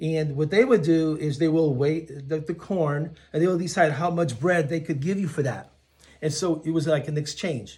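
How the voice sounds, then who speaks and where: A man speaks at a moderate pace in a somewhat breathy voice that is fairly high in pitch, with ordinary pitch variation. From Portugal, then New York. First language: Portuguese. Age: 60s. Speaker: guest speaker. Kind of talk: personal storytelling. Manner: halting, many fillers.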